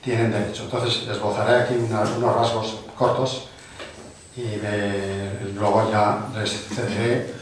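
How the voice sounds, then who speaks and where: A man's voice: fairly low pitch, little pitch movement, unhurried. An older man hosts a book presentation in a big, very echoey hall, heard from far off the mic. His speech rambles casually, with little self-deprecating jokes, and there is a faint hiss underneath. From Spain. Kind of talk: informal welcoming speech. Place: large hall of a cultural club, indoors.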